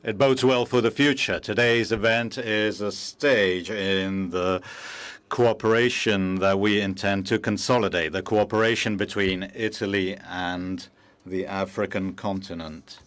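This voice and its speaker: Slow, halting male interpreter voice. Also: lowish voice, fairly even intonation, fairly bright tone. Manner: measured, halting, with frequent pauses and fillers. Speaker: conference interpreter. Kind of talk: simultaneous interpretation of a formal speech.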